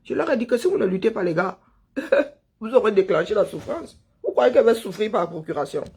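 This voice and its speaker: A Cameroonian man with a high, husky, darkish voice delivers an impassioned political monologue at a brisk clip, his intonation lively. As an online political commentator, he speaks emphatically, fires off rhetorical questions, and repeats phrases for effect.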